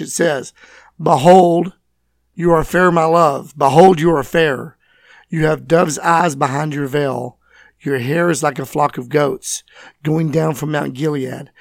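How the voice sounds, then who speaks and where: A man with a scratchy, hoarse voice, teaching and reading scripture as host of a Bible program. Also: on the high side, no echo. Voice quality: scratchy, raspy. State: hoarse from voice loss, recovering.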